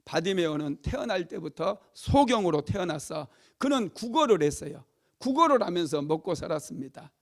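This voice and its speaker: Male pastor, high voice, dramatic sermon storytelling, acted outbursts. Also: very animated, normal speed, vocal fry. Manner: dramatic storytelling, loud acted cries for emphasis.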